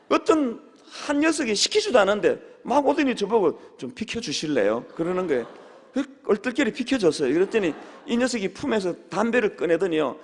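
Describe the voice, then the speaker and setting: Animated man preaching with a lively voice. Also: sits high. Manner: animated humorous storytelling with sudden shouts. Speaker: pastor. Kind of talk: sermon. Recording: long hall reverb.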